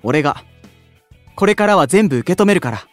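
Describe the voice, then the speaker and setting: Casting: a man as a gentle, earnest young leader with a lively, expressive delivery. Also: fairly high pitch, normal speed, no room sound, faint music behind, lightly acted. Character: earnest kind young male idol leader. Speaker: unit leader, station-worker idol. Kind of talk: anime-style voice drama acting.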